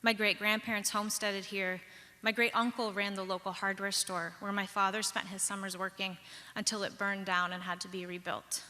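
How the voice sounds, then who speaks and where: A young woman from the Pacific Northwest telling a personal story on stage, measured and reflective, with lilting pauses. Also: medium pitch, level tone, pushed and bright. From Pacific Northwest, USA. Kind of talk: personal story told live. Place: large hall, live stage. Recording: long hall reverb.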